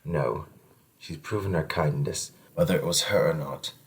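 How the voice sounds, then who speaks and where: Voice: rumbling low, normal speed. An actor in an audio drama playing a loyal, stubborn royal subject with a firm, earnest delivery. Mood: earnest, resolute.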